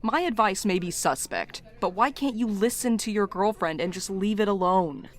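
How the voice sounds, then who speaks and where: Actress as a sardonic blunt courier gal, protective, mid pitch, audio drama. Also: female voice, moderate pace, lightly acted. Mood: exasperated. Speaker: lead actor in audio drama. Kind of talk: naturalistic audio drama dialogue.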